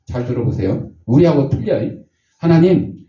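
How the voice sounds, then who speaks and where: Older male pastor, folksy sermon storyteller, lively pitch, dark tone, heard from afar in a roomy hall on a lo-fi recording. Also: moderate pace. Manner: folksy storytelling, acts out voices. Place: church sanctuary. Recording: echoey, distant, dull church recording.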